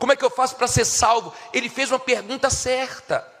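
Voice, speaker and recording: Raised and projected, a man's voice comes across with an animated tone at an extremely high pitch. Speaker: bishop preacher. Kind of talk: sermon.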